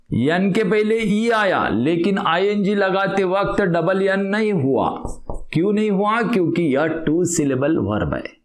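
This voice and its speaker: A man teaching English grammar, asking questions and answering them himself, stretching out example words slowly. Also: high voice, echoey room. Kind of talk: explanatory lesson with questions to viewers.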